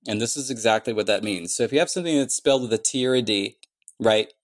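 Answering interview questions about the language he constructed, a man thinks out loud, full of fillers and restarts. His voice is lowish and he speaks fast.

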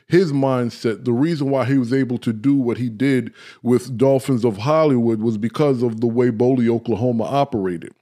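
A man hosting a casual talk show, speaking straight to his audience, often checking in with "right?" and "okay?" and stumbling over his words when he gets excited. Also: mid-range voice. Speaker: host. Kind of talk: casual talk, live-stream lecture.

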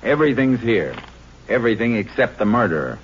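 An actor playing a steady, no-nonsense Texas Ranger in a 1950s radio drama, terse and matter-of-fact. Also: male voice, medium pitch, fairly quick, dull audio, lightly acted. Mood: firm. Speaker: lead and narrator. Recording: noisy band-limited 1950s radio recording.

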